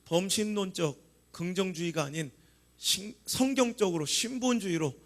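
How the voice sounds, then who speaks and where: A middle-aged male pastor preaching a sermon dramatically, acting out complaints in voices and rising to shouts. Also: on the high side.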